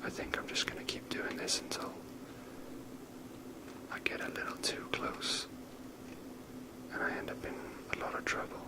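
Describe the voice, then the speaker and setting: Someone whispering a casual, rambling, unhurried commentary while playing a video game, in a soft breathy ASMR style. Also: rough recording.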